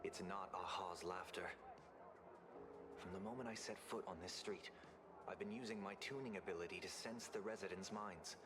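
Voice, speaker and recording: A man voicing a solemn, courteous game character with polite, measured, articulate speech. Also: low-pitched, lightly acted. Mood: composed, solemn. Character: composed, courteous, solemn man who senses minds. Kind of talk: video game voice acting. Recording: clear background noise and ambience.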